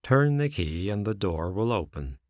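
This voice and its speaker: A man's voice: lowish voice, sing-song, moderate pace, a little mellow, dry recording, clean studio sound. Man voicing a small, reproachful talking cricket. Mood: calm.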